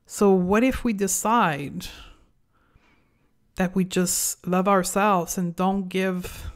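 A woman with a French accent hosting a solo podcast, talking in an earnest, deliberate and reflective way. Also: mid-range voice, steady tone. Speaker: podcast host.

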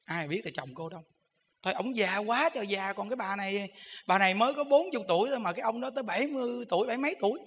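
A male Buddhist monk with a Southern Vietnamese accent gives a sermon in a high, bright voice. He talks in a humorous, chatty way and keeps asking his listeners rhetorical questions. His voice rings with long reverb in an echoey hall. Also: husky. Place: temple hall.

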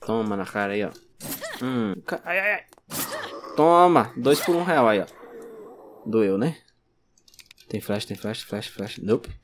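Brazilian man, excitable gameplay commentary, lively pitch swings, faint background hiss. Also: slow pace, pauses often. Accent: Brazilian Portuguese. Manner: excitable, yelps and talks to zombies. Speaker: gameplay streamer.

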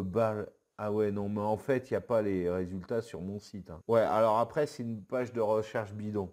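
A young man shows tricks on screen in a loose, joking way. He swears casually and fills gaps with hesitations. His delivery is slow and unhurried, at a mid pitch. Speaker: web marketing video host.

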